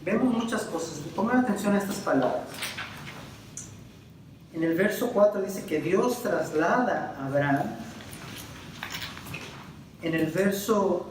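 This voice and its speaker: A Puerto Rican man teaching a Bible lesson like a sermon, his somewhat high voice rising into loud stresses and sinking into slow, drawn-out words. He puts questions straight to his listeners. He is recorded from some distance in a very echoey room, with faint noise underneath. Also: expressive. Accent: Puerto Rican Spanish. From Puerto Rico. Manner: addresses the audience directly with questions. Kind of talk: Bible class lecture, preaching style.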